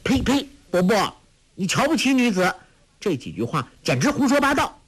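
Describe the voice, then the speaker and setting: A man voicing a clever, lively teenage girl who is pert and quick to argue, in a storybook reading. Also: sits high, voice pushed up.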